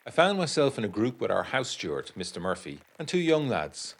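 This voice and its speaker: A man acting an educated 1920s gentleman who reads out his uneasy letter in a formal, measured, literary way. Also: medium pitch, very animated. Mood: sombre, descriptive. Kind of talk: dramatic reading of a gothic period letter.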